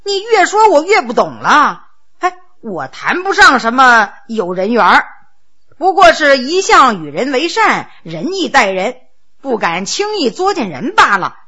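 Voicing a Qing prince in full character, this woman narrator plays a grown, middle-aged official who commands harshly before collapsing into flustered, confused stammering. She sounds high-pitched, pushed and bright with a breathy edge. Her pitch swings wildly while she keeps an unhurried pace.

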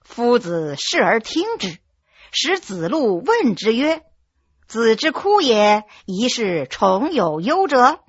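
A woman storyteller voicing a male scholar who chants classical text slowly and explains things patiently. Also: a little high, very animated, slightly rough, no room sound, highs cut off, full character voice. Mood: chanting.

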